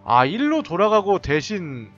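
A man giving excited, running commentary while playing a tower defense game, often laughing and reacting out loud. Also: high voice, measured pace, lo-fi sound, faint music behind. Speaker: game streamer. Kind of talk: live gameplay commentary.

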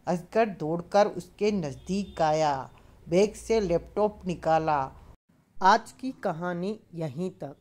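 Female audiobook narrator, low voice, very slow measured delivery. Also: a little mellow. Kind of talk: scripted narration of a thriller novel.

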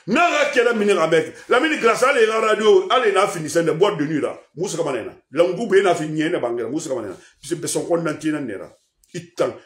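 A man with a Guinean accent, a political commentator ranting in French mixed with a local language, swinging between loud outbursts and low mutters. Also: reverberant. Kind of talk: impassioned radio-style rant.

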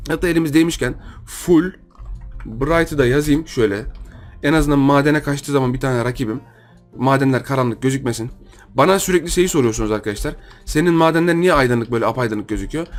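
Young turkish guy narrating his game, chatty and friendly with viewers, faint music behind. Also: on the high side. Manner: chatty, addresses viewers as friends, thinks aloud while playing. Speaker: gaming YouTuber. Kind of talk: casual gameplay commentary.

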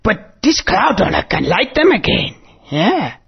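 A woman voicing a blustering, gruff tribal chief who speaks in broken sentences with a raspy, creaky voice. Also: medium pitch, sing-song, measured pace, exaggerated voice. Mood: bargaining. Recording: muffled lo-fi game audio.

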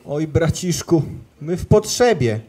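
A man's voice: a little high, lively intonation, measured pace, dark tone. An actor playing an earnest, pious male archangel in a rhyming nativity comedy. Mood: worried.

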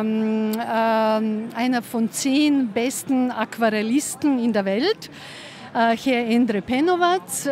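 A woman answering interview questions outdoors, hesitating with many fillers. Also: on the high side. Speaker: gallery founder. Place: outdoor street festival. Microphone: handheld mic.

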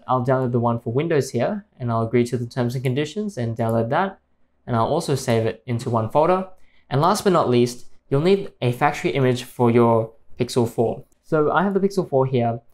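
Man narrating a step-by-step tech tutorial. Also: medium pitch. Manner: steady step-by-step explaining. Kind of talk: screen-recorded tutorial voice-over.

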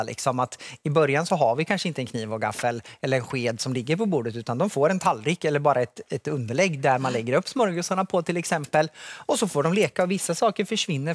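A man in his thirties, a nurse guest on a morning TV show, explaining in a relaxed way with many fillers, recorded on a lapel mic in a studio. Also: a little high, dry recording. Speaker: pediatric specialist nurse guest.

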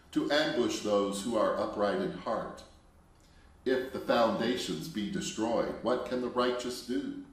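A man, a religious brother, leading liturgical prayer and reading scripture in a measured, solemn recitation. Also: fairly low pitch. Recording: very echoey room, mic far off.

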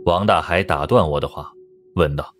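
A man's voice: deep voice, normal speed, faint music behind. A man narrating a detective audiobook in a scripted, dramatic storytelling style.

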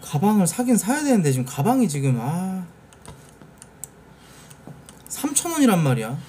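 A man in his thirties live-streaming a game from a small room, talking casually, swearing a lot and yelling at slot machine wins. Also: high-pitched, moderate pace, slight background noise. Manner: swearing, excitable, shouts at wins. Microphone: desk mic in gaming chair, webcam framing.

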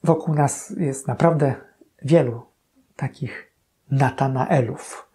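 Slow, husky-voiced priest. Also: male voice, mid-range voice. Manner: calm, earnest, slow-paced reflection. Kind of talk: short gospel commentary. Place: small chapel room indoors. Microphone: fixed camera, medium shot.

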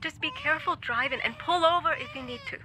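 A woman's voice: high voice, fast, background noise, lightly acted. An actress playing a caring Christian friend who pleads earnestly with a troubled young mother.

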